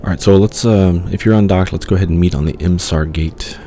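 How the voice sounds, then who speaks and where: A man's voice: low voice, a little fast, dark tone, a little hiss or hum. A man with a cold hosting a casual video game playthrough, rambling easygoing talk with lots of filler. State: stuffed up with a cold. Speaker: let's play host. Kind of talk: casual gameplay commentary.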